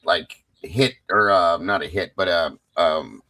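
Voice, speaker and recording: A man's voice: sits low, measured pace, pushed and bright, no echo, poor audio. A man on a livestream panel, talking casually and rambling as he searches for words.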